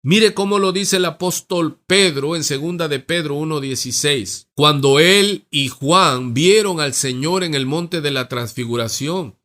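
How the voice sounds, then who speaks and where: A male pastor delivers a sermon in a church, reading scripture aloud. He speaks at a very slow, deliberate pace. His voice is bright and sits a little high for a man. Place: church sanctuary.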